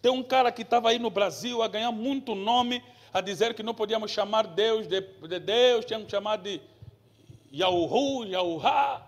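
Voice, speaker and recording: A man, a pastor teaching from the Bible who moves between easy explanation and forceful preaching, asking the congregation questions. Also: sits high, normal speed. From Angola.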